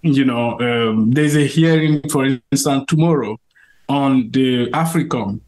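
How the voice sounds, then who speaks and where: A man's voice: medium pitch, measured pace, darkish tone. A man from Cameroon with a Cameroonian accent, a White House correspondent answering interview questions earnestly, with many fillers and restarts.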